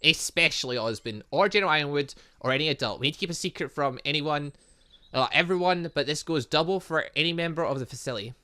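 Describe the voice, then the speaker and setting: A gaming YouTuber reads a visual novel aloud for a let's play, mixing in his own commentary and often stumbling over words before correcting himself. His voice is on the high side, bright and forceful, and he talks fast on a dry recording.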